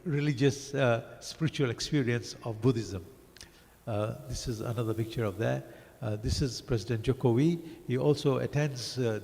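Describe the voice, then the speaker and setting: A man born in Africa reviewing a book as a lecture, halting with many fillers and restarts. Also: mid-range voice, darkish tone. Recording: long hall reverb.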